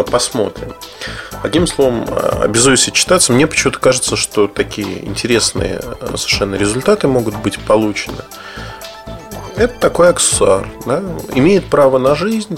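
A man's voice: lowish voice, creaky. A man hosting a tech podcast, giving a casual, rambling gadget review full of hesitations and asides.

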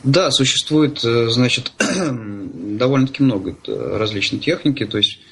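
A man giving conversational interview answers in a halting, hesitant way, often searching for words. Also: mid-range voice, sing-song, creaky, husky. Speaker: interview guest, blind user of assistive technology.

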